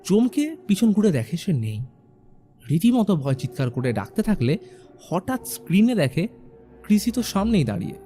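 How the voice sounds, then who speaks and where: A man narrating a horror film recap in a hushed, suspenseful storytelling manner. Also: sits high, sing-song, normal speed. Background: faint background music.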